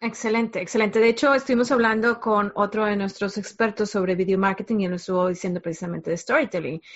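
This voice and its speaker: Hardly any pauses break the woman's very fast speech. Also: medium pitch for a woman, ordinary pitch variation. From northern Mexico. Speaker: podcast host and money coach. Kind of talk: interview.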